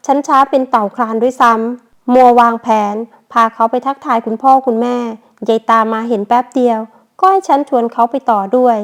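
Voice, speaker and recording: A woman's voice: fairly high pitch, steady tone, fairly quick, hardly any pauses, close to an everyday voice. Woman voicing a jealous, scolding elder sister. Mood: sneering. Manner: sharp, scolding, loud.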